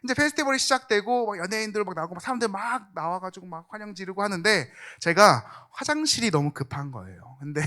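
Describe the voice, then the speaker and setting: A man's voice: high-pitched, pushed and bright. A young man preaching a sermon in a church, telling a personal story with acted-out quotes and dropping at times to a near whisper. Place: church sanctuary.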